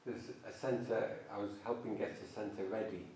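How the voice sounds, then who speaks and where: A man's voice: on the low side, steady tone, moderate pace, gravelly, a little mellow, slight background noise. An older man with a Liverpool accent mixed with South Manchester, chatting casually and rambling with plenty of ums. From England, born in Liverpool, grew up in Cheshire. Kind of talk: casual chat. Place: large old house, indoors. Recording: very echoey room, far from mic.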